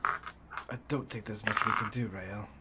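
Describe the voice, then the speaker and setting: A man's voice: lowish voice, steady tone, a little slow, heavy background noise. A man speaking as a player in a tabletop game, moving between casual description and in-character role-play.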